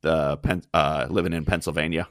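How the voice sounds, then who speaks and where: A man's voice: very deep voice, fairly even intonation, fairly quick, no room sound, clean studio sound. A man co-hosting a podcast from his home, easygoing and nerdy, chatting casually and correcting details. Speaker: podcast co-host. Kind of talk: casual chat.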